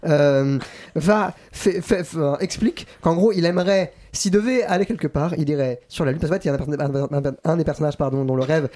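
A man's voice: on the high side, dark tone. Rambling man losing his voice. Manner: rambling, hesitant then laughing. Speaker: film critic. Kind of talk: casual chat.

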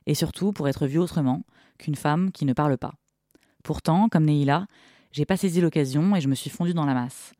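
A woman hosting a podcast, calmly reading a scripted, reflective narration. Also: deep voice, moderate pace, no echo, clean studio sound. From partly Morocco. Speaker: podcast host.

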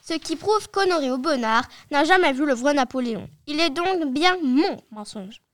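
A woman reading a children's story aloud as its young narrator, lively and expressive. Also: high voice, moderate pace, no room sound, clean studio sound.

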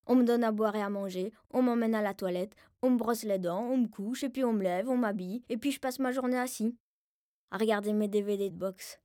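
A woman's voice: medium pitch, a little fast, warm tone, no echo, clean studio sound, close to an everyday voice. A woman voicing a wry, self-mocking disabled boy who tells his life casually in a radio drama monologue. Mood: wry, deadpan. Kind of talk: first-person radio fiction monologue, colloquial. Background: music.

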